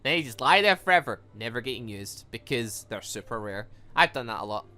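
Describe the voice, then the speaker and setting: A man's voice: medium pitch, lively intonation, fairly quick, sharp tone. A man doing casual let's-play commentary on a visual novel, rambling and correcting himself as he reads and reacts. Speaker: gaming video host playing a visual novel. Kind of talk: casual let's-play commentary, reading game dialogue aloud.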